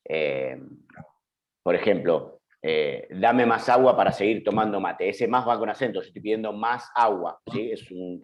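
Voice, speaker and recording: A man's voice: lowish voice, darkish tone, lo-fi sound. A middle-aged man, a journalism teacher giving an online class, explaining patiently and checking in often with his students. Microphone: computer mic on a video call.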